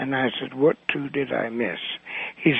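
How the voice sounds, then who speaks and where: With noticeable background noise behind him, a man talks at a fairly slow pace in a medium pitch with ordinary variation. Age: 80s+. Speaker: entertainer. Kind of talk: telephone interview. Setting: phone call.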